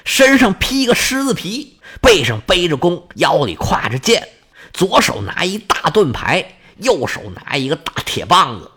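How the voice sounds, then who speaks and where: A male storyteller recounts an ancient myth in a traditional oral style. His voice is fairly high and husky, and it leaps up and down with lively, colloquial drama.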